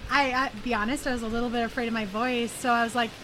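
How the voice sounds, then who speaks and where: A woman's voice: fairly high pitch, steady tone, quick pace, fairly bright tone, a little hiss or hum, rough recording. A woman guest and podcast co-host, chatting casually and laughing easily. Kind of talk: casual interview chat.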